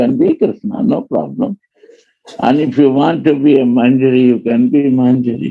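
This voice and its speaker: A man with an ordinary speaking voice, fairly high in pitch, at a moderate pace with very even loudness against a quiet background. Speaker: spiritual teacher. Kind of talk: spiritual talk. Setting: video call. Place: home room.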